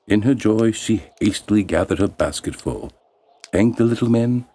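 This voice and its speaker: A man narrating a bedtime fairy tale as a storyteller, in a measured, expressive and deliberate way. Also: on the low side.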